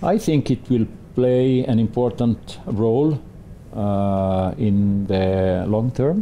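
Speaking very slowly over light background noise, a man keeps his loudness very even, with ordinary pitch variation. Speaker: panelist. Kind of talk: panel discussion. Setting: stage with audience. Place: cafe.

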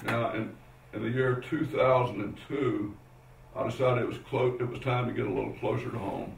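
With a Southern US accent, a man talks at a moderate pace with fairly even intonation, amid audible room echo and light background noise. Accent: Southern US (Georgia). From Georgia. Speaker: professor, retired engineer; professor. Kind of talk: lecture. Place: hall. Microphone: camera far.

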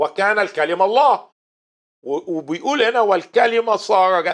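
A high-pitched man with lively intonation at a fairly slow pace, quiet background. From Egypt. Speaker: talk show guest. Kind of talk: religious debate interview. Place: studio. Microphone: lapel.

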